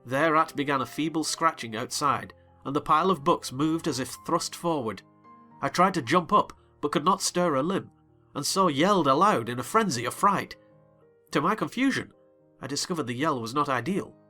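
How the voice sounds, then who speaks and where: A man narrating a dramatized audiobook in a bright, forceful voice that sits slightly high. He reads theatrically and swells into excited outbursts in the dialogue, with faint music underneath. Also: normal speed.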